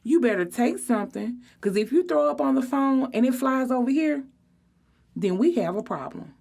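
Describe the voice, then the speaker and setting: A woman's voice: high-pitched, lively intonation, normal speed, creaky, darkish tone, pitched above the performer's own voice, exaggerated voice. A woman voicing a brash, boastful teenage girl with a sassy, snappy, slangy delivery in a storybook reading.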